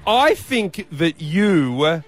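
A man hosting a breakfast radio show, bantering in a deadpan, teasing way. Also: a little high, extremely slow.

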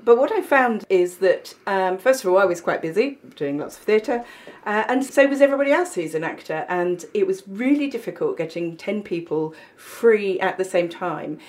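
A woman's voice: mid-range voice, lively intonation, normal speed, a little mellow. Woman, radio presenter, chatty, laughs easily, casual interview. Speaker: radio presenter and play director.

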